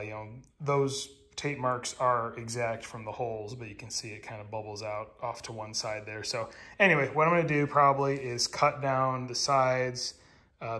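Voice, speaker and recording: A man's voice: medium pitch, bright, forceful tone. A man narrating his car build in a casual work vlog, matter-of-fact and full of ums and uhs, filmed on a phone in his garage. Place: home garage.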